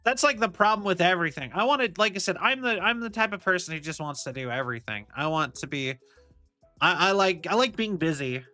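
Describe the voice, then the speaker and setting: A man's voice: sits high, expressive, a little fast, sharp tone, soft background music. A young man streaming as a VTuber, chatting casually and rambling, often circling back with "like I said". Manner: rambling, repeats "like I said".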